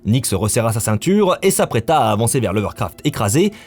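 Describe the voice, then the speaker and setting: A man's voice: mid-range voice, very animated, brisk, darkish tone. A male narrator with a mid-range voice tells a scripted adventure story in a dramatic style. Faint music plays underneath him.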